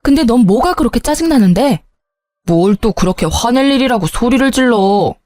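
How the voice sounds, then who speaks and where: A woman's voice: on the high side, animated, normal speed, a little mellow, no echo, lightly acted. A woman voicing an irritable young husband who brushes things off and scolds. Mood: scolding. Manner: curt and scolding, then sheepish.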